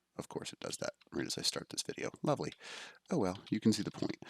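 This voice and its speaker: A man speaks quietly in an animated tone at a fairly quick pace, with a dry, close sound and no echo. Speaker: gaming youtuber. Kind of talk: tutorial. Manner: casual, animated.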